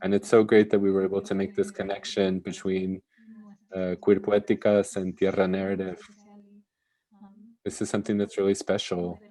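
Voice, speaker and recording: An interpreter rendering a panel discussion into English live, in halting phrases with pauses. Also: low voice, flat delivery, warm tone.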